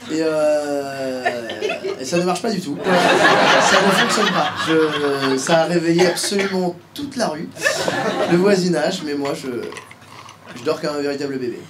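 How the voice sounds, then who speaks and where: A man's voice: a little high, moderate pace. A man doing live stand-up in a comedy club, playful and teasing, with many fillers, as he banters with the crowd. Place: comedy club stage before an audience. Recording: loud noisy live club recording. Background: audience laughter.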